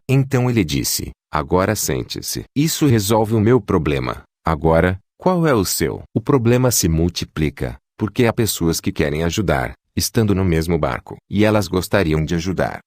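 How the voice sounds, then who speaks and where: A man reading a spiritual discourse aloud in a slow, measured, instructive way. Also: low-pitched, a little mellow, no echo, studio quality.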